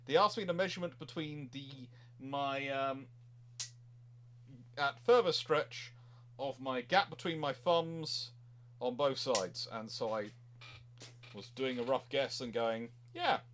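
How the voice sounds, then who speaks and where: A man's voice: medium pitch, slow, fairly bright tone. A man hosting a casual panel chat, explaining things in a rambling, digressive way with repeated words. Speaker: naval history show host.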